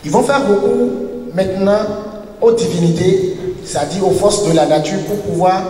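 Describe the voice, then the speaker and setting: A man who is a university professor, lecturing in a language that is not his first, halting and restarting as he searches for words. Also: high voice, mellow, a little hiss or hum. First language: a local language, not French. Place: lecture hall. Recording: echoey hall recorded from far off.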